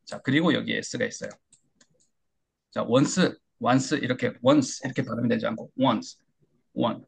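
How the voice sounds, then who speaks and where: A man teaching English pronunciation in an online lecture, explaining step by step with frequent hesitation fillers and modeling words with exaggerated pitch. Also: fairly even intonation, normal speed, gravelly, husky.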